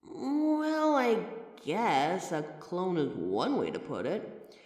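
A patient, wry mirror reflection, voiced by a man, explains itself to the listener in a chatty roleplay. The delivery is lively, swinging widely in pitch. The room rings with echo and a long reverb tail. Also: slow pace, heavily acted. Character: a person's own mirror reflection, a sentient light being, patient and wry. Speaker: audio roleplay voice actor. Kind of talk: scripted audio roleplay addressed to the listener.

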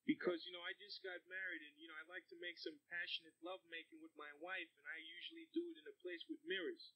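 Brief: bright, close, dry-sounding sleazy newlywed caller, drawling as a man puts him on. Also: high voice, big pitch swings, fast talker, gravelly, dry recording, heavily acted, low-quality recording. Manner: drawling, lewd, hesitant fillers.

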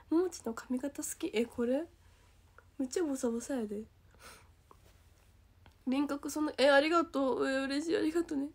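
Giggly high-voiced young woman, Kansai accent. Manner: giggly, bubbly, drops to soft whispers. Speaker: idol livestream host. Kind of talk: casual livestream chat reading comments.

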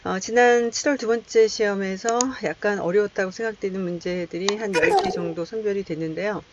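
A woman's voice: medium pitch, fairly even intonation, brisk, highs cut off, heavy background noise. A woman teaching an English test-prep lecture, explaining step by step and putting questions to the class before answering them herself. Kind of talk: recorded lecture.

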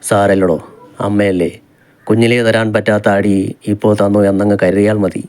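A man voicing a young husband in an audiobook romance, firm and commanding yet gently coaxing. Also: fairly low pitch, level tone, moderate pace, lightly acted. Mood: tender.

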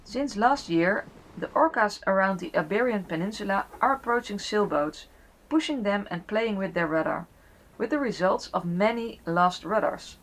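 A woman whose first language is Dutch, narrating a sailing vlog as voice-over in a steady, matter-of-fact way. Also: medium pitch, normal speed, poor audio. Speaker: vlogger narrating a sailing trip.

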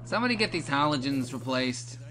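A man's voice: medium pitch, expressive, brisk, fairly bright tone. A young man giving casual, joking game commentary in a rambling, teasing way as co-host of a let's play. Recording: clearly noisy home recording.

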